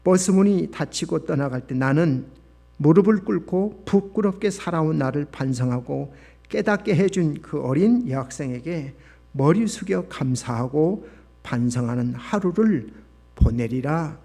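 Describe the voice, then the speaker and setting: Husky-voiced pastor telling a story. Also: male voice, a little high, animated, measured pace, dark tone, soft background music. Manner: dramatic read-aloud storytelling. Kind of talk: revival sermon.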